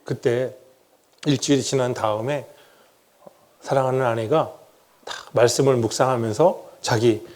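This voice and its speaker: A man's voice: mid-range voice, steady tone, a little slow, pauses often, a little mellow. A middle-aged man, a pastor, preaching a sermon and telling his own story, asking the congregation rhetorical questions and acting out what he said back then. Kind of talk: sermon with personal testimony.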